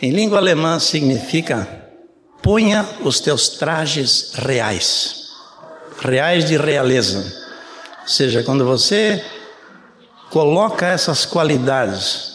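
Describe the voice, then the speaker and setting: This older preacher from Brazil, with a Brazilian Portuguese accent, speaks slowly in a slightly high, somewhat bright voice with big pitch swings. His conversational sermon, full of check-ins with listeners, echoes in a reverberant hall with faint ambience and a little hiss or hum.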